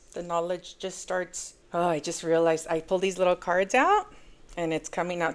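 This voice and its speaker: In a very clean recording with a silent background, a woman with a fairly low pitch speaks at a fairly quick pace. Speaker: tarot reader. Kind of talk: tarot reading livestream. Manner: animated.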